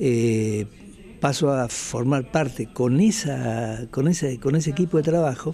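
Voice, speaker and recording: Noticeable background noise sits behind a man of medium pitch who speaks at a fairly slow pace with very even loudness and lively intonation. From eastern Catamarca, Argentina. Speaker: journalist and researcher. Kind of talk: interview. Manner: reflective, frequent hesitations.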